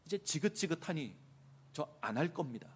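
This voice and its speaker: A man's voice: on the high side, sing-song, normal speed, breathy edge, exaggerated voice. A man voicing a weary, aggrieved male prophet who pleads with God and complains in impassioned rhetorical questions.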